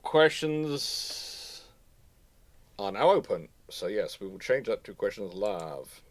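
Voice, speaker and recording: A man hosting a live history stream in casual chat, with a halting, rambling way of talking that often repeats words. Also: fairly low pitch, big pitch swings. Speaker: host of a live history question show; history lecturer.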